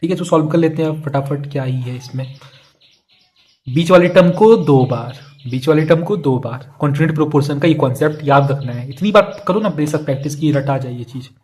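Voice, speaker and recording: A young male math tutor gives a casual online lesson, chatty and repeating each key step as he works problems, calling students "yaar" and "bhai." His voice is a little high and darkish in tone, and he talks fast with few pauses.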